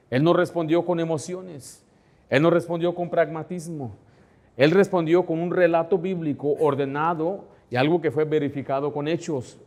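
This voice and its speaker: A man preaching in a relaxed, conversational way tells the congregation to follow along in the passage, his voice swelling louder for emphasis. His pitch is fairly high.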